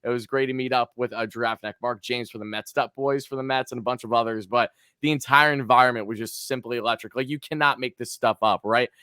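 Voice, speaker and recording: A man hosting a sports podcast, talking in a casual, excited way, his voice hoarse from cheering. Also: mid-range voice, fast talker, few pauses, dry recording, clean studio sound. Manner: excited, fan-like, hyped. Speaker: podcast host.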